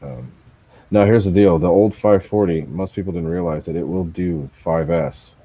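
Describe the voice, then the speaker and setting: Low, husky man, casual co-host, thinks aloud with lots of ums. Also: steady tone, moderate pace, no room sound, highs cut off. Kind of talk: casual chat.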